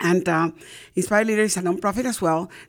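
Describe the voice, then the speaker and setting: On a very clean recording with a silent background, a woman with an ordinary speaking voice talks at a fairly low pitch. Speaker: community radio host. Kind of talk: interview. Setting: studio.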